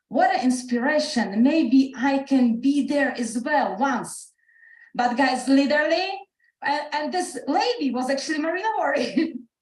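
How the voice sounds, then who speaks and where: There's audible room echo, and the delivery is fairly slow. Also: woman, high pitch for a woman, ordinary pitch variation. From Soviet Union. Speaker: network marketing entrepreneur. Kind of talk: testimony. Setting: video call. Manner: animated.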